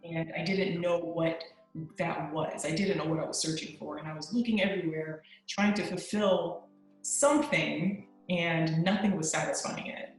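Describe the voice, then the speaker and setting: A woman's voice: deep voice, fairly even intonation, normal speed, soft background music. A young woman, a guest on a chat show, talking openly and earnestly with lots of likes and ums. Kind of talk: casual interview talk. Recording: very echoey remote audio.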